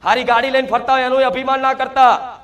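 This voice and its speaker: An extremely high-pitched man talks fast in a level, slightly bright tone. As a spiritual medium giving voice to the goddess, he preaches a devotional sermon in the first person as a divine mother, speaking directly to devotees with emphasis and many rhetorical questions.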